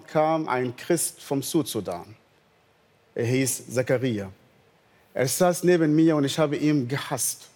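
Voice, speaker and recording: Guy preaching, earnest and slow, long echo around him. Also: mid-range voice, darkish tone. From northern Sudan. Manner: earnest, slow storytelling with non-native German grammar. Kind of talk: sermon with personal testimony.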